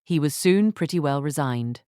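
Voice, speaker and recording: A woman reading a literary audiobook as narrator, measured and articulate. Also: low-pitched, lively intonation, warm tone, dry recording, clean studio sound.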